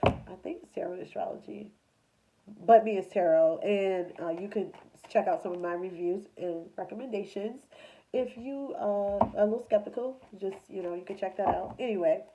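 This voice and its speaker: A woman's voice: medium pitch, moderate pace, background noise. A congested woman doing a casual, chatty tarot reading with a loose, filler-heavy way of talking. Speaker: tarot reader.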